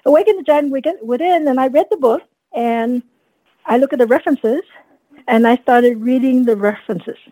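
A woman in her fifties from Vietnam, a guest telling her story in an earnest, reflective way, often pausing with "you know.". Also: sits high, mellow, husky, dry recording, poor audio. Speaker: guest, dentist and coach. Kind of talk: casual podcast interview.

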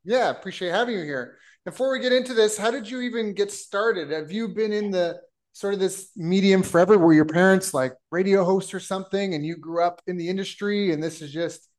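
A man's voice: high-pitched, a little fast, few pauses. A man hosting a podcast, reading a guest introduction and then asking questions with playful teasing. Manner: playful, joking teases. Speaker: podcast host. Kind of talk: casual interview.

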